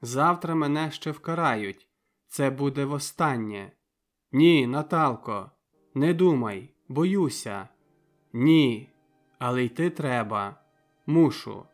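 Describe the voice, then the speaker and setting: A man's voice: medium pitch, a little slow, a bit bright, faint music behind. Man reading as an anguished young man parting. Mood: pained resolve. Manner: heavy, broken, insistent exclamations.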